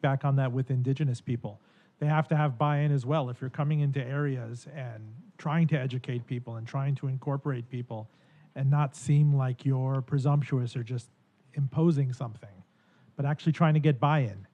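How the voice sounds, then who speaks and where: A man's voice: mid-range voice, fairly even intonation, moderate pace, lo-fi sound. A man moderating a panel, framing his questions with background context.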